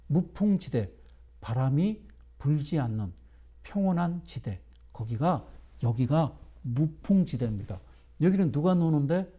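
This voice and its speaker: Emphatic man lecturing with lively pitch. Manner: emphatic, fires rhetorical questions at viewers. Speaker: stock trading lecturer. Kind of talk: broadcast trading lecture.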